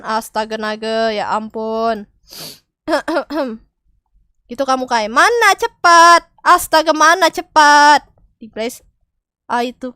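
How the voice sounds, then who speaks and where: A woman's voice: high voice, no room sound, clean studio sound. Stuffy-nosed woman streaming a game. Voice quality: slightly stuffy, nasal from a cold. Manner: loud exclamations, swearing, calling out to teammates. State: has a cold. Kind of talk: casual gaming stream chat.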